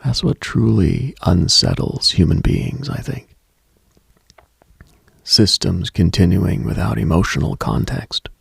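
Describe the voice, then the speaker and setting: Deep, gravelly man, late-night radio host. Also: takes it slowly, no echo, clean studio sound. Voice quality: gravelly, husky, breathy. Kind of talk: slow late-night mystical radio monologue; reflective eerie storytelling.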